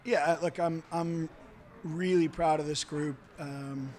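A middle-aged man, a college soccer head coach, giving measured, halting remarks at a post-match press conference. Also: on the high side, fairly even intonation, a little mellow, slight background noise. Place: indoor press conference room, seated at table. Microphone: handheld-style microphone on table stand.

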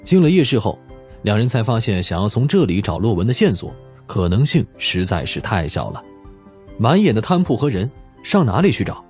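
Male narrator for audio fiction: deeper register, expressive swings, soft music bed. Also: brisk. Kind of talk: scripted story narration. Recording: music behind the voice.

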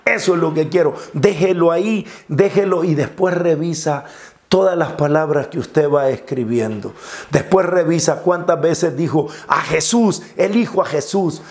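A man's voice: on the high side, a little mellow. A man preaching a Catholic sermon, speaking to viewers directly and repeating phrases as his voice rises. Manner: slow, repetitive preaching with rising cries; addresses viewers directly, asks for comments.

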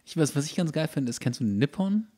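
A man's voice: fairly high pitch, expressive, brisk, mellow. A man co-hosting a podcast, chatting casually and comedically in a colloquial, teasing manner. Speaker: podcast co-host.

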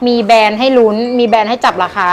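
A Thai woman live seller giving a casual promotional pitch in short punchy phrases to customers. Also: steady tone, quick pace. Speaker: live-stream seller of secondhand clothing bales.

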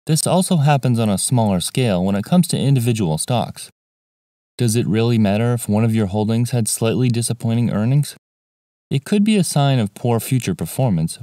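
A man reading a scripted explainer voice-over in an even, measured way. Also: mid-range voice, no echo, studio quality. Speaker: narrator of an investing explainer.

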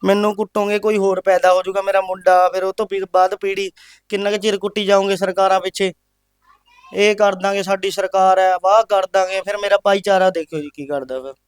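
A man's voice: high voice, little pitch movement, fairly quick, clean tone, no echo, clean studio sound. A man giving an impassioned, aggrieved account in a news interview, full of rhetorical questions. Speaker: interviewee, father of the family. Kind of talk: impassioned testimony.

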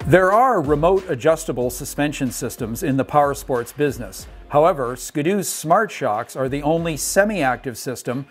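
A man's voice: fairly high pitch, lively intonation, moderate pace, hardly any pauses, soft background music. Older man, upbeat product narration. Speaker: show host. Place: indoor studio set.

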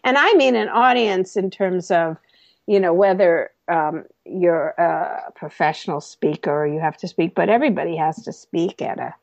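A woman comedy coach and author, joking her way through an interview and slipping into quick comic voices. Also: lowish voice, creaky, dry recording, lo-fi sound. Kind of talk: animated interview guest.

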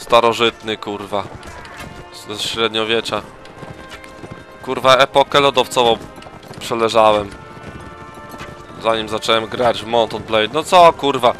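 Tired male gamer, slow drawl, crude and profane, mock war cries, faint music underneath. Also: fairly low pitch, fairly bright tone. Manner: crude, heavy swearing, mock battle cries. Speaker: let's play gamer. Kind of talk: casual gaming commentary.

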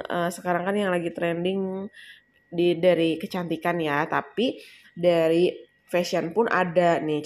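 Chatty young woman, low-pitched voice. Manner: chatty, addresses viewers as guys. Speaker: affiliate marketing vlogger. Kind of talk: casual screen-recording walkthrough.

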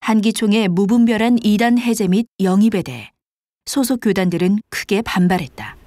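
A woman reading scripted documentary narration in a formal, measured manner. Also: mid-range voice, mellow, no room sound, close to an everyday voice.

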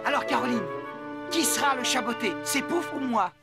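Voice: medium pitch, normal speed, over loud music, lightly acted. An actor voicing a cocky, showy young black cat in a cartoon dub.

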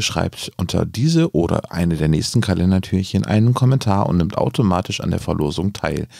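A male podcast announcer delivers an informal prepared notice. His voice is fairly low with plenty of vocal fry, and the recording is dry and close. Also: dark tone, no room sound.

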